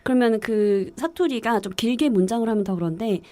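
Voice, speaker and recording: A woman's voice: fairly high pitch, brisk, mellow, no room sound. A woman from the Gyeongsang countryside with a mostly standard Seoul accent, chatting casually and often laughing as she talks. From rural mountainous Gyeongsang, South Korea. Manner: giggly, often laughs while talking. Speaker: radio show guest or co-host. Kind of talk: casual chat, personal anecdotes.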